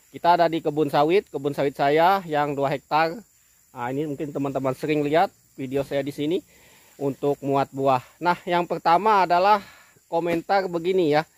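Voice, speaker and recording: A man's voice: a little high, steady tone, normal speed, no echo. A man from with a speech impediment that blurs one sound. He is an oil palm farmer talking casually to camera outdoors in his plantation, apologetic and repetitive, often starting with "nah". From Kalimantan, Indonesia.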